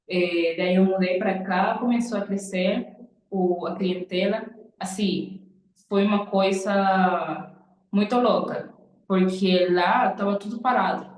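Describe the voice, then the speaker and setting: A woman's voice: medium pitch, steady tone, slow, darkish tone. Cuban woman telling a heartfelt story. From Cuba. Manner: earnest, repeats "literalmente" and "tipo". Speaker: interview guest, nail designer. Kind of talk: emotional personal story in an interview. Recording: echoey room.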